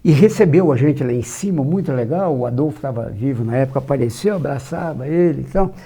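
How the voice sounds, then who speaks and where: Gravelly older man with a Minas Gerais accent. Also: medium pitch, brisk. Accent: Minas Gerais Brazilian Portuguese. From São João del Rei, Minas Gerais, Brazil. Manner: lively raconteur, acts out quoted dialogue. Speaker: guest, journalist. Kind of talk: anecdotal storytelling.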